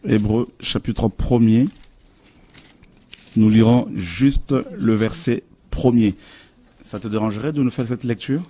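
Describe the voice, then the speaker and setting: Guy preaching on christian tv, lowish voice, keeps repeating himself, lots of euh. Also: takes it slowly, pauses often, mellow. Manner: earnest, repeats phrases, many fillers. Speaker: Christian preacher hosting a TV show. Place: TV studio.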